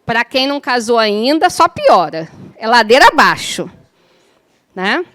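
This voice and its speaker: A woman's voice: fairly high pitch, big pitch swings, a little slow, a bit bright. A middle-aged woman teaching a spiritist course to a class in an informal, chatty way, with joking asides and many tag questions.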